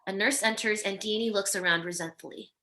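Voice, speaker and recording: A crisp, bright female voice at an average pitch reads screen directions aloud. It is scripted narration for a table read, moving from one action to the next. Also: steady tone, fairly quick. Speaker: narrator reading stage directions.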